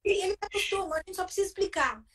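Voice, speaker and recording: A woman's voice: very high voice, animated, very fast, a bit bright, far from the mic. A Brazilian woman, a literacy specialist, explaining phonics on a live video chat, often tagging her sentences with "né?". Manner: explanatory, with frequent "né?" tags.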